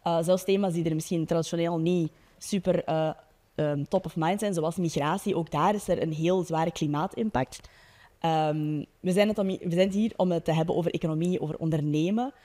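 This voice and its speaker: Mellow young Flemish woman. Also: fairly low pitch, normal speed. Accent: Flemish Belgian Dutch. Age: young adult. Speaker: political youth-wing leader, debate panelist. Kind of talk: debate statement, semi-formal.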